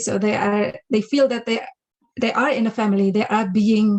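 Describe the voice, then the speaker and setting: A woman speaks with an Indonesian accent. Her pitch is fairly high. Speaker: English teacher, workshop participant. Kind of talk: discussion contribution.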